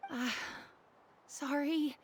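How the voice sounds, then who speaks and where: A woman's voice: sits high, fairly even intonation, very slow. A woman voicing a friendly, chatty young female jeweler in a video game, slightly flustered. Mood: relieved, apologetic.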